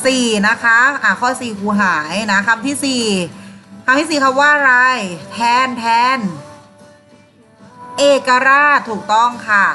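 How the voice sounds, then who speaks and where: A woman teacher with a bright, forceful voice pitched a little high, patiently walking pupils through workbook answers. She calls on children one by one, praises them warmly, and nudges them along with gentle reminders. Soft music plays faintly behind her. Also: unhurried. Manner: encouraging, calls on pupils by name, frequent polite particles. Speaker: primary school Thai teacher. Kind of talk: classroom exercise walkthrough.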